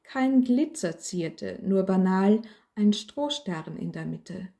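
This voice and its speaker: A woman reading a rhyming Christmas story aloud as a storyteller, with a slow, measured, gentle recitation. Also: mid-range voice, animated, creaky.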